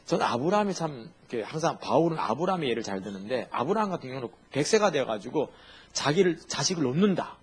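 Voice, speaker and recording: A male pastor preaching a sermon in an animated, humorous way, full of rhetorical questions. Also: medium pitch, fast talker, breathy edge.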